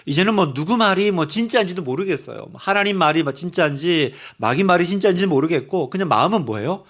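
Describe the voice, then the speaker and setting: A male pastor preaching a sermon, animated and asking the congregation rhetorical questions. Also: sits high, fast talker.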